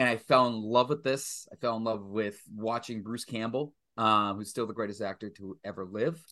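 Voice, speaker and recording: In an American accent, a man speaks at medium pitch with a bright, sharp tone. His intonation is fairly even, his pace moderate, and the background quiet. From Massachusetts, Boston area (Stoughton). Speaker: filmmaker. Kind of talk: casual interview chat.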